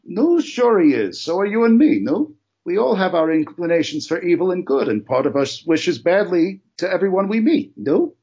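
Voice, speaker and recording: A man voicing a blunt, provocative young Hasidic man who ends his sentences with a questioning "no?", in a husky voice. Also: high-pitched, very animated, normal speed, darkish tone, highs cut off, heavily acted. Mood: needling.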